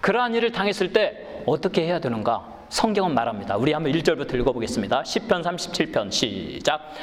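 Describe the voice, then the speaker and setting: A middle-aged man preaching a sermon as pastor, animated, swinging from low calm phrases to loud high emphasis. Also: fast talker. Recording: long hall reverb.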